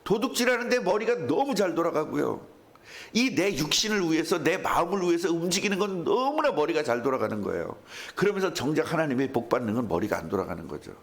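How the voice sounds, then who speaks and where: A man's voice: on the high side, fast talker, gravelly. A male pastor preaching a sermon, telling stories and acting out the voices of the people in them. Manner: animated storytelling with acted quotes.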